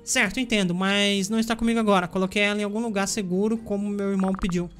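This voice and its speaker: Stubborn fisherman read by a man, Brazilian accent, flat read of game text. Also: sits high, fast talker, faint music behind. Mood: cautious. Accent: Brazilian Portuguese. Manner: reads game dialogue aloud in a flat voice.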